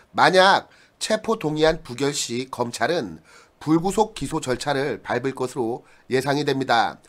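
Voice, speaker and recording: Lively intonation marks this man's delivery. He speaks fairly slowly at a fairly high pitch. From South Korea. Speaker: political YouTuber. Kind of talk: news reading. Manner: formal. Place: home room. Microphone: studio mic.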